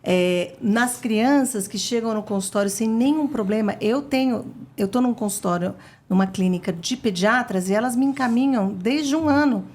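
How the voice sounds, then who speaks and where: A woman's voice: a little high, moderate pace, few pauses, a little mellow. A middle-aged woman, a speech therapist, explaining things as a guest in an interview with eager emphasis. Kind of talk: casual interview chat.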